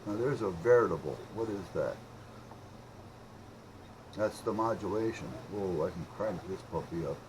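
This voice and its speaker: A man chatting casually and rambling as he thinks out loud while doing hobby radio repair. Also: low-pitched, moderate pace, long pauses. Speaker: hobbyist radio repairer showing his work. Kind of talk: casual unscripted vlog chat while working. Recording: clearly noisy hobby video recording.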